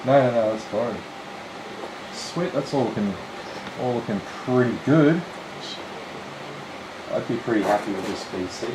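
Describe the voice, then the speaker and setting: A man with an Australian accent, slightly hoarse, casually talking viewers through a computer build on a live stream. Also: medium pitch, unhurried, pauses often. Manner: relaxed, chatty, explains steps plainly. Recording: roomy with steady air-conditioning hum.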